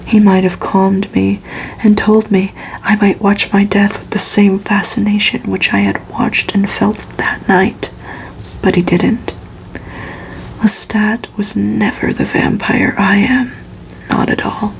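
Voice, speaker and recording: A woman reads fiction aloud in a soft, breathy whisper for ASMR. Her delivery is slow and soothing, with very little rise and fall and a crackly, creaky edge. A faint ambient noise sits behind her. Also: medium pitch, steady tone. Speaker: ASMR narrator reading a novel aloud. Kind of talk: whispered ASMR audiobook reading.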